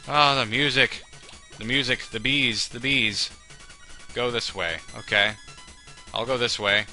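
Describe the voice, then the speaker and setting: A man's voice: medium pitch, steady tone, unhurried, pushed and bright, faint music behind. A man giving humorous commentary on a video game in a wry, sarcastic manner with exaggerated reactions. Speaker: let's play host.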